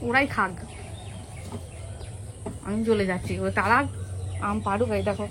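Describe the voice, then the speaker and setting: A woman's voice: mid-range voice, steady tone, a little slow, noisy background. A woman with a West Bengal Bengali accent, vlogging casually and exclaiming as she chats about what she is doing. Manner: chatty, exclaiming, narrating what she does. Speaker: lifestyle vlogger. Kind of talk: casual home vlog. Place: garden with mango trees, then home kitchen.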